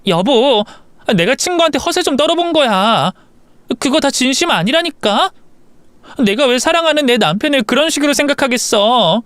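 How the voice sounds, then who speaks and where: A man's voice: expressive, moderate pace, fairly bright tone, clear, resonant tone, no echo. A man voicing a flustered young wife who stammers and pleads, in a storybook narration. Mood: pleading. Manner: stammering, high-strung, pleading. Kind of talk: storybook voice acting.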